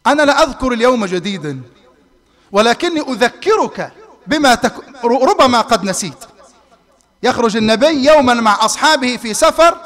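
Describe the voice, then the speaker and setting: A male preacher with an Egyptian accent delivers a Friday sermon at a brisk pace, his voice pitched very high. He swings between loud, emphatic peaks and quiet asides. The sound carries a long mosque-hall reverb from a live stream. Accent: Egyptian Arabic.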